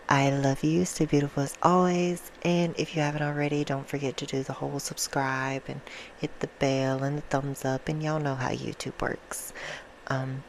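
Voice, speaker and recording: A soft-spoken woman chatting casually and affectionately to her viewers in an ASMR style, with an informal, self-deprecating manner. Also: deep voice, creaky, a little hiss or hum, rough recording. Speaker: ASMR video creator and host.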